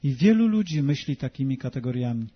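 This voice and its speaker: A man interpreting a sermon live, talking quickly and evenly and slowing down for scripture readings. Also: mid-range voice, expressive, breathy edge. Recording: dull lo-fi sound.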